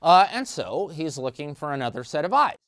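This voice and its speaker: Man, middle-aged, news analyst, smooth clear voice, dry close sound, measured explanatory delivery. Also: fairly high pitch, very animated, fairly bright tone, no room sound. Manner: measured, explanatory, frequent "uh" fillers. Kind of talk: news commentary.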